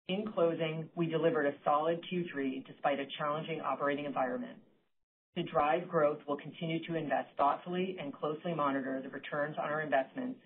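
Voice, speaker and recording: A woman speaks over a narrowband conference phone line, reading a scripted financial presentation. She sounds like a company executive, formal and measured in her delivery. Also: low-pitched. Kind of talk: scripted earnings call presentation.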